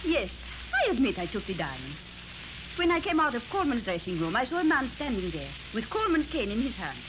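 A proud, defensive lady passenger in a 1940s radio crime drama. Her voice is on the high side and swings expressively through careful, formal phrases. The old broadcast recording is plainly noisy with hiss. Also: big pitch swings, a little fast. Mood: defensive, pleading. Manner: formal, precise phrasing without contractions.

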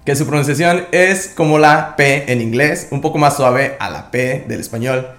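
A man teaching a language lesson, calmly explaining each sound step by step. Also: medium pitch, moderate pace. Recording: echoey room.

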